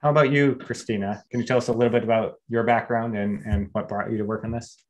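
Male moderator, 40s, American, mid-pitched, scripted panel introduction on a video call. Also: steady tone, fast talker, low-quality recording. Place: small room at home or office, indoors. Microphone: video call microphone.

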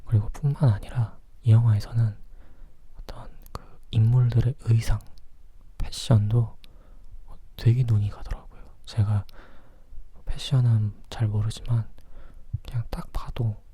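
ASMR reviewer: close, hushed whisper, husky and very dark in tone, conversational delivery. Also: medium pitch, steady tone, measured pace, long pauses. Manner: whispering softly, as if leaning in close. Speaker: film review vlogger.

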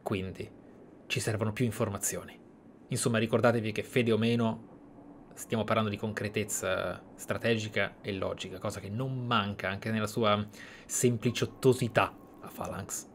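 A man's voice: on the low side, steady tone, normal speed, a little hiss or hum. A man giving reflective, explanatory commentary as he streams a roleplay game. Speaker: gaming streamer and host.

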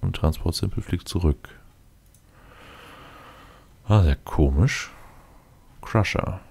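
A man's voice: low-pitched, takes it slowly, vocal fry, a little mellow, husky. A man giving casual gameplay commentary, thinking aloud and muttering to himself as he plays. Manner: muttering to himself, addressing game units directly. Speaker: let's player commenting on his game.

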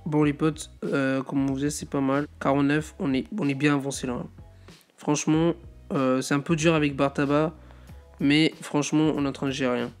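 A young man giving excitable gameplay commentary, muttering one moment and yelling in frustration the next. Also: fairly high pitch, fairly quick, clear, resonant tone, soft background music. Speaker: gaming YouTuber.

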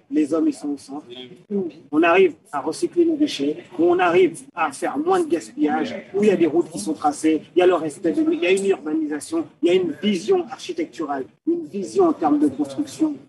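A man's voice: very high voice, gravelly. A man from France who grew up there, earnestly laying out his plans in long lists during an interview in a small padded booth. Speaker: guest entrepreneur. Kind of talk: interview answers. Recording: distant mic.

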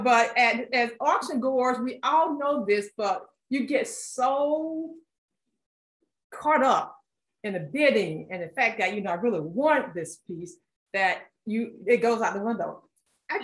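The woman's voice is on the high side and fairly bright, captured in an echoey room on a low-quality recording. As a guest at an author talk, this Philadelphia art collector chats loosely, laughing often amid many fillers and restarts.

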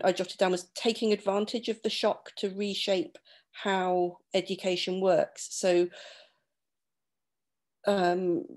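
A woman's voice: lowish voice, darkish tone. A woman lecturer giving a thoughtful, somewhat tentative talk on an online panel. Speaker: university lecturer and school manager. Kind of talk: panel presentation. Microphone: laptop webcam on a video call.

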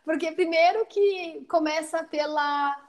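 A Brazilian woman teacher giving an online training talk, explaining in a lively way and often adding "né" to check that she is followed, over a video call. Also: very high voice, slow. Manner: lively, explanatory, frequent "né" tags.

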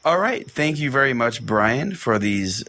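A man's voice: mid-range voice, big pitch swings, unhurried, bright, forceful tone, dry recording. A man playing an earnest, easily exasperated pastor who hosts a parody Christian call-in radio show.

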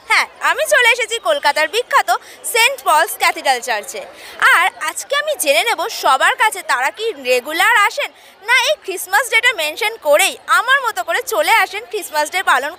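A young woman with a Bengali accent, hosting a lively vox pop street interview with a handheld mic outdoors. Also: very high-pitched, brisk. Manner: lively, chatty presenter. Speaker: street reporter and host. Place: crowded churchyard lawn outdoors. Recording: outdoor crowd in the background.

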